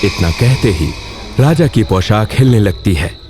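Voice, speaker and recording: Backed by music, a man with a fairly low voice narrates a scripted ghost story for children. He tells it like a storyteller, expressive and unhurried.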